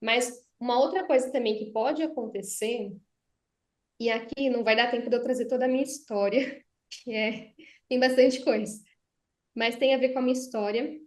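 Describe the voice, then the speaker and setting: A Brazilian woman speech therapist explains voice technique, stopping to demonstrate. Her voice sits a little high. The room adds a noticeable echo. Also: normal speed. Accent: Brazilian Portuguese. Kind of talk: conversational explanation. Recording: roomy echo.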